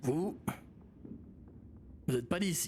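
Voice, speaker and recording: A man puts on a gruff character voice at a fairly high pitch, with clear background noise behind him. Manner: gruff, surprised, observing.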